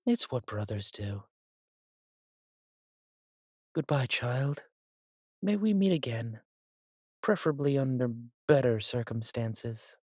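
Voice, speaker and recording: A man's voice: medium pitch, animated, unhurried, a little mellow, dry recording, clean studio sound. A man playing a chatty, fussy angel in an audio drama, with theatrical, musing asides. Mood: wry, teasing. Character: chatty, fussy, coffee-loving male angel, teasing elder brother.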